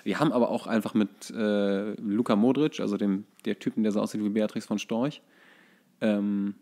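A man's voice: lowish voice, steady tone, normal speed, warm tone. A man co-hosting a casual football chat, explaining his views and thinking aloud as he goes. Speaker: podcast co-host.

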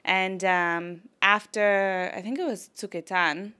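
A woman's voice: mid-range voice, fairly even intonation, slow pace, bright, forceful tone, smooth. An American woman in her thirties, an interview guest casually telling personal stories. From Los Angeles, United States. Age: 30s. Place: small home-style studio, indoors. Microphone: close handheld microphone.

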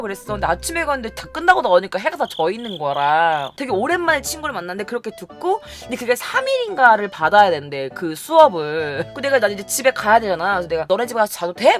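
A woman's voice: medium pitch, quick pace, hardly any pauses, faint music behind. A young woman vlogger telling a story in a casual chat style, acting out the people she quotes. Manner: animated, acts out quoted people.

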